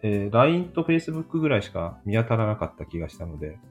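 A woman's voice: rumbling low, big pitch swings, fast talker, a little mellow. A woman hosting a casual interview, polite and attentive to the guest. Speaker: interviewer, host. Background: background music.

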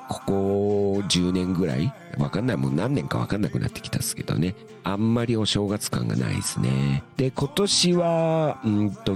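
A middle-aged man with a very deep voice that still swings widely in pitch, hosting a radio show. He tells loose, rambling stories and chuckles between them. Faint music plays under his talk. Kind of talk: casual radio storytelling.

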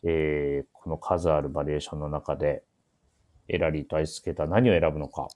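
A man's voice: very deep voice, steady tone, brisk, a little mellow. A man hosting a casual radio chat, politely prompting his guests and often chiming in with short agreeing responses. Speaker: radio show host.

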